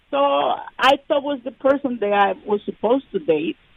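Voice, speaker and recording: A woman's high-pitched voice at a moderate pace. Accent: Spanish. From Guatemala. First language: Spanish. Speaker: immigrant guest. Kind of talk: interview. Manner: halting, many fillers.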